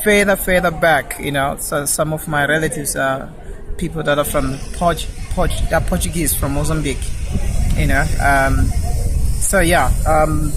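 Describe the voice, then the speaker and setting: A man from Malawi interviewing students, talking in a loose, rambling way with frequent pauses and laughs. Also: a little high, fairly even intonation, over music. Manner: rambling, laughs between remarks. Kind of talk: casual street interview. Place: outdoors on a campus. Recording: noisy outdoor recording.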